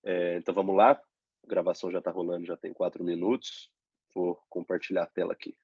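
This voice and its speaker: Young Brazilian teaching assistant, deep voice blocked by a cold, halting delivery, dull dry computer mic. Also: male voice, level tone, husky, no echo. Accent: Brazilian Portuguese. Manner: slow, halting explanation with frequent "né?" fillers. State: congested, stuffy nose from a cold. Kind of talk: online review lesson.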